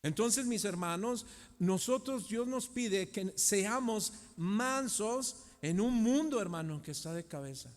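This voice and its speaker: Preaching in a church hall, a middle-aged Mexican-accented pastor speaks in a high voice that rings with long reverb. Animated and unhurried, he keeps posing rhetorical questions to the congregation and swings between loud and hushed.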